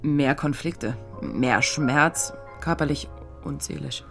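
A woman's voice: sits low, takes it slowly, gravelly, faint music behind, heavily acted. A woman acting a frazzled, wry woman in her thirties in a naturalistic radio drama, hesitant and casual with dry understatement. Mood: weary, dry. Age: 30s. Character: frazzled, wry woman of 32 thrown between strange situations.

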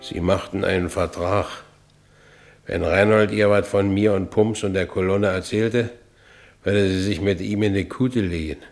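A man's voice: deep voice, fairly even intonation, measured pace, soft background music. An actor playing a haunted working-class Berlin man who recounts his past bitterly in a radio drama, with a Berlin accent. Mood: haunted, brooding. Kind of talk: radio drama first-person narration.

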